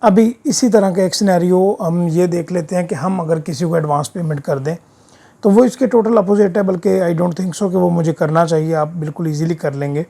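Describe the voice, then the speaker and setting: A man with a sore throat giving an informal step-by-step software tutorial, often checking that the learner follows with short tag questions. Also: high voice, moderate pace, vocal fry. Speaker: instructor of an accounting software course. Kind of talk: screen-share tutorial, informal explaining. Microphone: voice-over of a screen recording.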